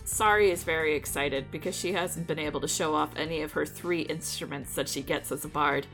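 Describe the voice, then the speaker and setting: Bright, lowish-voiced woman playing tabletop. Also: fairly quick, faint music behind, poor audio. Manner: informal, playful. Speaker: player in a tabletop game. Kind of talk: casual chat at a game table.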